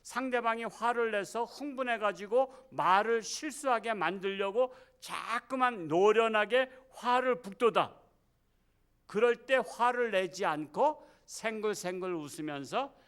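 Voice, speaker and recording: A man's voice: high-pitched, a little slow, fairly bright tone, smooth. A middle-aged man preaching a Wednesday evening sermon as pastor, talking conversationally and putting rhetorical questions to the congregation. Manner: acts out quoted speech in the sermon. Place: church sanctuary.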